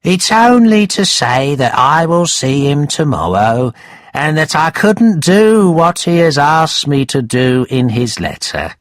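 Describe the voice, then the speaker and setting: A man reading a story aloud and voicing a scheming, cold-hearted moneylender who taunts in a calm, cutting way. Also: fairly high pitch, takes it slowly, no room sound, pitched above the performer's own voice. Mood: scolding.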